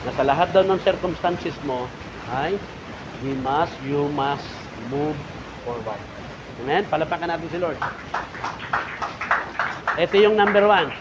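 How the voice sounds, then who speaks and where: A male pastor with a Filipino accent delivers a sermon, his fairly high voice rising and dropping as he drives each point home and calls to the congregation. The church recording is dull and lo-fi, with faint noise underneath. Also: animated, unhurried, long pauses. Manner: preaching with rising and falling emphasis, repeated calls to the congregation.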